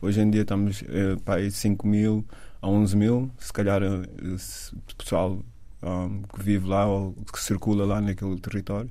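In a room with audible echo, a man with a dark, mellow tone and fairly low pitch speaks fairly slowly in a flat monotone. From Portugal, Lisbon area (Cova da Moura). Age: 40s. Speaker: activist and cultural organizer. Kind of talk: casual chat.

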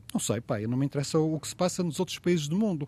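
A man talks at a very fast pace with lively intonation and a fairly high pitch. The background is quiet. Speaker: author and language commentator. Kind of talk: casual interview chat.

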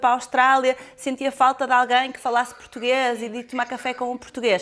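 Her voice high, a woman talks at a fairly quick speed. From Portugal. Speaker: website co-founder. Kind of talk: interview. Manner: halting.

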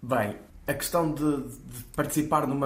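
A man talks with fairly even intonation. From Portugal, Oliveira de Azeméis area. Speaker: university student. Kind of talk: radio interview.

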